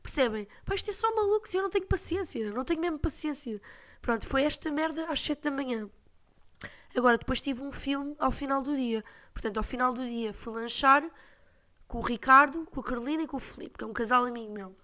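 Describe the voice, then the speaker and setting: Portuguese woman ranting on her podcast, high voice, blunt and fed up, swears a lot. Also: brisk, bright, forceful tone. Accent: European Portuguese. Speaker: podcast host. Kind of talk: casual storytelling monologue.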